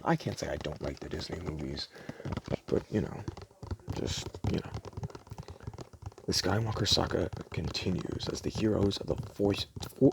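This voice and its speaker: A man doing a soft-spoken ASMR roleplay as a store clerk, talking in a casual, hesitant, rambling way. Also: low-pitched, creaky, noisy background. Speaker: ASMR creator playing a DVD store clerk.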